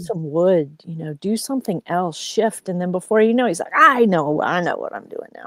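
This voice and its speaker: With an American accent and an unremarkable speaking voice, a woman at medium pitch talks at a moderate pace with lively intonation, big swings in loudness and hardly any pauses, in a dry, close sound with no echo. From United States. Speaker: podcast host. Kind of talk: podcast conversation.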